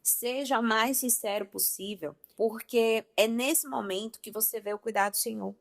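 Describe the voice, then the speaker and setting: Gravelly-voiced woman preaching informally. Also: a little high, normal speed. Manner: conversational, acts out dialogue from scripture. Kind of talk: informal sermon.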